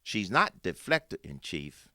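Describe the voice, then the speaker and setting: A man hosts a talk show, running through the news with a lively, swinging pitch. His voice is bright and smooth. The studio sound is dry and close, and he mixes loud emphasis with low asides. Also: measured pace, no echo. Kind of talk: opinionated news commentary.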